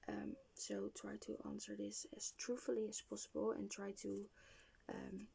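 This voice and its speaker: A woman whispering softly in an ASMR therapist roleplay, breathy and creaky, gently and hesitantly asking questions. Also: medium pitch, completely flat delivery, normal speed, slight background noise.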